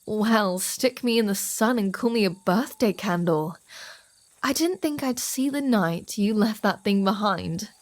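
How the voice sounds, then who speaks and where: Woman playing a slow-talking, flirty female vampire. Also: mid-range voice, lively intonation, natural voice. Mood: wry, teasing. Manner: playful, sardonic, mock-exasperated. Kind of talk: ASMR roleplay audio drama.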